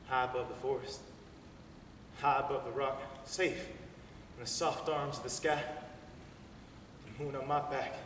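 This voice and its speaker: An actor playing a young man drifting in a soft, soothing reverie. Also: mid-range voice, natural voice. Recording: roomy hall, far mic, audible noise.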